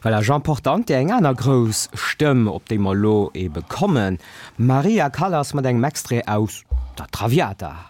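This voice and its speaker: A man's voice: medium pitch, big pitch swings, normal speed, a little mellow. A man hosting a radio interview, giving short prompts and introducing music. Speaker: radio host.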